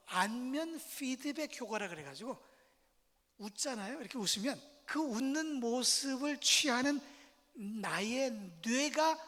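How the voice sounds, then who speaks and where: A middle-aged man, a professor giving a lecture on family life at a church, talking in a lively way and acting out everyday phrases with exaggerated intonation. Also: extremely high pitch. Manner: lively, acts out quoted lines with exaggerated intonation. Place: church sanctuary. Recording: reverberant church hall.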